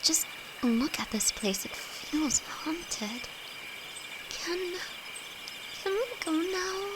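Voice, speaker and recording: A woman's voice: extremely high pitch, lively intonation, extremely slow, very noisy, heavily acted. A woman playing a timid, easily frightened young apprentice alchemist, affectionate and hesitant, with a nervous stammer, in a fantasy audio roleplay. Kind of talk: fantasy roleplay audio drama, intimate one-sided dialogue. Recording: night cricket and insect ambience throughout. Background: crickets and forest ambience.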